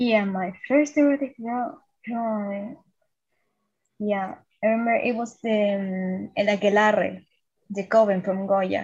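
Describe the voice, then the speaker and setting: Very slowly and with long, frequent pauses, a woman speaks in a somewhat breathy, medium-pitched voice with ordinary pitch variation. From Chile, Santiago. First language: Spanish. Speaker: illustrator and concept artist. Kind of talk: casual interview chat.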